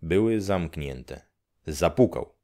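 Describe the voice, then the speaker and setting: Slow deep-voiced male audiobook narrator. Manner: calm, measured storytelling. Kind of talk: audiobook reading of a classic story.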